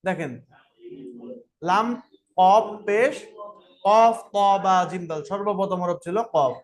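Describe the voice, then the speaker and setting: A man's voice: high-pitched, takes it slowly. A man teaching Quran reading, leading a class through letter sounds with patient call-and-repeat drills and questions he answers himself. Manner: patient, repetitive, asks and answers own questions.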